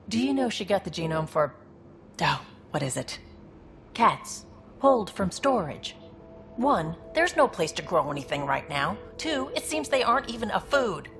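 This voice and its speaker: A woman's voice: low voice, fairly bright tone, heavily acted. A woman voicing a protective, weary alien mercenary sister in a video game, dry, guarded and exasperated. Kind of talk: dramatic video game acting.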